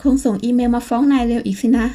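High-voiced woman narrating a novel. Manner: even, measured storytelling. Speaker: audiobook narrator. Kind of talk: scripted narration.

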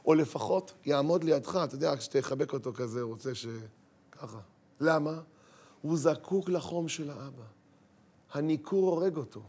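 A man lecturing parents as a rabbi, dramatic, acting out scolding voices and swinging from loud to hushed. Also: on the high side, husky. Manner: dramatic, acts out scolding parents and teens, shifts from shouting to hushed. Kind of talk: sermon.

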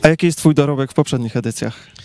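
A man's voice: medium pitch, fast, darkish tone. A young man, asking interview questions outdoors as a TV reporter with a handheld microphone. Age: 20s. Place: outdoors in a garden with trees.

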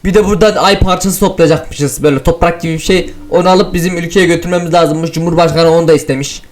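A young man giving playful, excitable commentary while playing a game as a gaming YouTuber. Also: a little high, fast talker. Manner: excitable, joking, swings to loud shouts.

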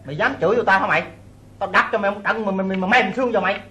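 An actor playing a blustering, bullying rich village boss in a folk opera, who makes threats and wails out loud. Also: male voice, high-pitched, racing, slight background noise. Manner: blustering threats and wailing exclamations. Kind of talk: 1980s Vietnamese folk opera acting.

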